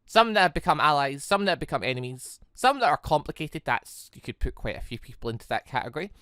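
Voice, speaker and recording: A gaming video host talks in a bright, forceful voice with very lively pitch movement. The delivery is casual and rambling, full of tangents and self-corrections. The sound is dry, with hardly any room in it. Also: fast talker, dry recording. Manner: chatty, digressive, self-correcting. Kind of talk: casual rambling game commentary.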